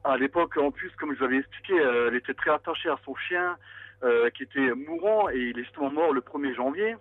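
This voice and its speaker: A middle-aged man calling a radio show, telling his story in halting, repetitive phrases. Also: medium pitch, lively intonation, dry recording. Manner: halting, repeats himself. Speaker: caller. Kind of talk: phone call to a radio show. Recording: tinny phone line.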